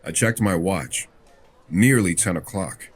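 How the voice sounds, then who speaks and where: A man's voice: low-pitched, a little slow, breathy edge. A man giving scripted first-person narration for an audio drama.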